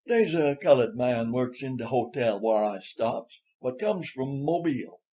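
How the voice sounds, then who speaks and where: A man's voice: medium pitch, animated, unhurried, dark tone, natural voice. A man voicing a loyal, proud old man from the American South, speaking earnest folksy dialect in a storybook reading. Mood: earnest explaining. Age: older. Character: elderly Southern man, former plantation servant, proud and loyal.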